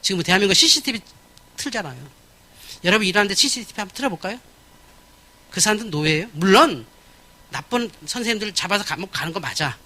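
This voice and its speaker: Male pastor in his 50s giving a church lecture; blunt and animated, with a bright, lively voice that swings widely. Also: sits high, quick pace, long pauses.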